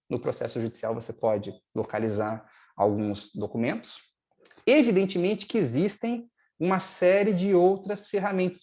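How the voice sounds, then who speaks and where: A lawyer speaking as a guest on a live webinar over a video call, explaining procedures step by step and at length. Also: male voice, mid-range voice, a little mellow. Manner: didactic, long-winded, stressing key points.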